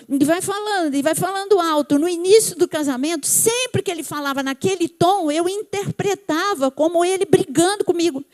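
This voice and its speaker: A woman's voice: sits high, a little mellow. A Brazilian woman giving a conversational church talk on emotions, often checking that listeners follow. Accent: Brazilian Portuguese. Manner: conversational, asks the audience if they follow. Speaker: church speaker.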